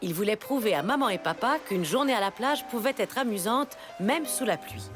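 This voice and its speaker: A woman narrating a scripted children's cartoon story in an expressive storytelling manner. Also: a little high, a little fast. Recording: music behind the voice.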